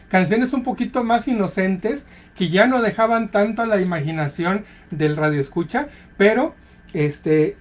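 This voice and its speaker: A Mexican-accented radio host talking in a relaxed, conversational way. The host keeps checking in with the listener through short tag questions and everyday fillers, recorded in a studio. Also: mid-range voice. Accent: Mexican Spanish. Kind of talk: casual radio talk.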